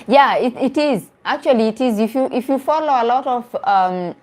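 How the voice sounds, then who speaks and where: A woman's voice: a little high, expressive, normal speed, darkish tone. This is a woman, speaking as a dating coach on a casual live stream. She talks earnestly to her viewers, reacts to their comments and often restarts or repeats a phrase to stress her point. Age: 40s.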